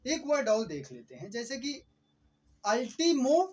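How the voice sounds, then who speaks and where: A man teaching English vocabulary who keeps asking quick questions and repeating each word before answering it. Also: very high voice, big pitch swings, a little mellow. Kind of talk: explanatory vocabulary lesson.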